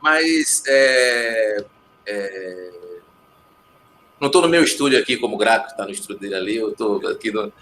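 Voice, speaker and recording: A man's voice: lowish voice, animated, moderate pace, pushed and bright. A man with a northeastern Brazilian accent from Pernambuco, a musician guest chatting casually and searching for his words. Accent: Pernambuco northeastern Brazilian Portuguese. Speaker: composer, musician and producer guest. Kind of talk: casual interview chat. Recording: faint background noise.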